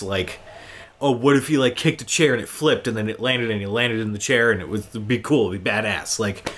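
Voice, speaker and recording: A man with a mid-pitched voice gives casual gameplay commentary. He comes across as an informal, enthusiastic fan who swears now and then as he hosts. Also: fairly bright tone. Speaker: gaming show host.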